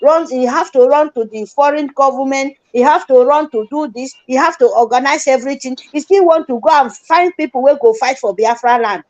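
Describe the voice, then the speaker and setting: A woman's voice: high voice, fairly quick, hardly any pauses, darkish tone, highs cut off. A woman caller speaking Nigerian Pidgin English, pleading and insistent in a call-in discussion.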